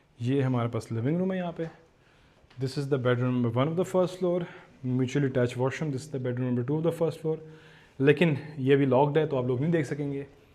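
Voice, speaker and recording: A man speaks at a fairly high pitch with a dark, mellow tone and ordinary pitch variation. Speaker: real estate presenter. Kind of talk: property walkthrough tour. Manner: fluent commentary style.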